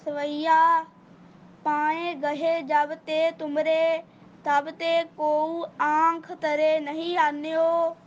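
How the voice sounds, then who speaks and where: A woman with a Punjabi accent slowly reciting scripture verses in a steady, even chant. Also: sits high, slight background noise. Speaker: student reciting. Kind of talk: slow devotional recitation. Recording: dull lo-fi recording with faint ambience.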